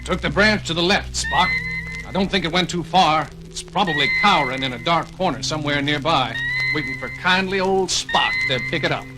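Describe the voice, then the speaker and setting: Man playing cranky starship doctor, high male voice, sarcastic grumbling, excitable, vintage record drama, loud music behind. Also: a little fast, rough recording. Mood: exasperated. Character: irascible, exasperated male ship's doctor. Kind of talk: 1970s children's audio drama acting.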